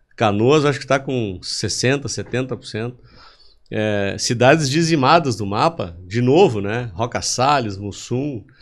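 Very slow in pace, a man speaks. His intonation is lively. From Rio Grande do Sul, Brazil. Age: 50s. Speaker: podcast host; podcast host or guest. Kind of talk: casual chat. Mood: earnest, concerned. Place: studio. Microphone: studio mic.

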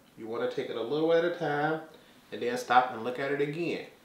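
A man is heard with audible room echo around his voice. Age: 30s. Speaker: makeup YouTuber. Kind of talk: makeup tutorial. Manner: animated. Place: home room.

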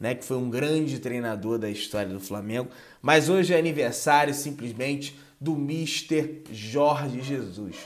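An animated man speaks at a fairly high pitch with ordinary pitch variation. His pace is moderate. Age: 20s. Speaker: football YouTuber. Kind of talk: casual sports commentary monologue. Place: home room.

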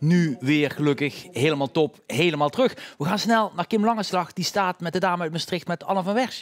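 A high-pitched male voice at a fairly quick pace. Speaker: cycling broadcast host. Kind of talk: live commentary. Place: studio. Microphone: headset.

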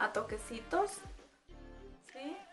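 There is clear music playing behind a woman as she talks. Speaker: beauty vlogger. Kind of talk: makeup tutorial. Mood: friendly and relaxed. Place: home room. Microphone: phone near.

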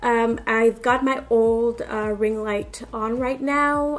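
A woman with fairly even intonation, faint music in the background. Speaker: beauty vlogger. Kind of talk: casual review chat. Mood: mildly annoyed, chatty. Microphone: phone near.

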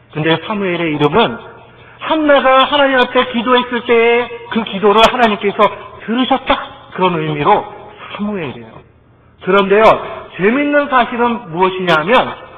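Music plays in the background. Over it, a man speaks with long, frequent pauses. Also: moderate pace. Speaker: preacher. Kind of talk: sermon for children. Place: church.

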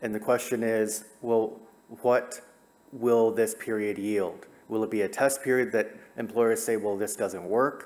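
In an unremarkable speaking voice, a man talks at medium pitch and a fairly slow pace with fairly even intonation. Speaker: law academic. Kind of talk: conference presentation. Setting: stage with audience. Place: hall.

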